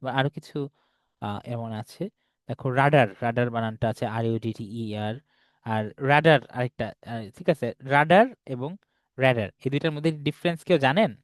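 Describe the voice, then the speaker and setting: A man's voice: medium pitch, brisk, no echo. A man teaching an English class online, explaining patiently and checking often that students follow along. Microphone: video call.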